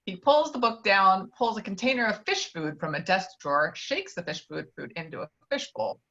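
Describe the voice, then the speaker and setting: A woman's voice: medium pitch, animated, moderate pace, a bit bright, lo-fi sound. A woman reading screenplay stage directions aloud as narrator of a table read.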